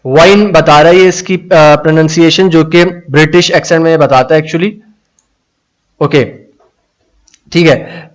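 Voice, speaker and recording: A man teaching English idioms in Urdu on a live stream, reading the English lines slowly and then explaining them. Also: high-pitched, rough recording. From Pakistan. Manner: reads viewers' comments aloud.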